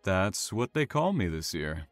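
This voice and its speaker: A man playing a calm, taunting, self-satisfied serial killer in an audio drama, savoring his words with theatrical menace. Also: deep voice, unhurried, no room sound, soft background music.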